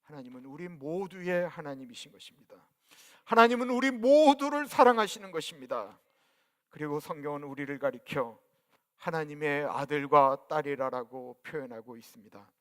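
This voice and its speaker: A male pastor in his forties preaching a sermon, swinging between loud emphatic lines and hushed near-whispers. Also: a little high, expressive, normal speed, long reverb tail. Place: church sanctuary.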